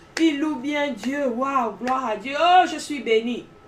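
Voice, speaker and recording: Lively intonation at a very slow pace, with noticeable background noise and audible room echo. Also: woman. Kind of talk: preaching advice talk. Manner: animated.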